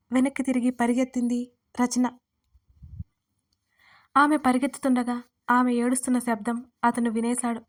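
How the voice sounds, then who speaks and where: A woman hosting and narrating a serialized audio story in a steady reading voice. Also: fairly high pitch.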